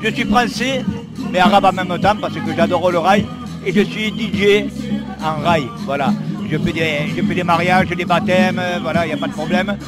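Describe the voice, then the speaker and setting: A man with a fairly high voice talks in a jovial, promotional way. Loud music and a thick crowd surround him at an outdoor street market. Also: normal speed. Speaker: volunteer and DJ. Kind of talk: street interview.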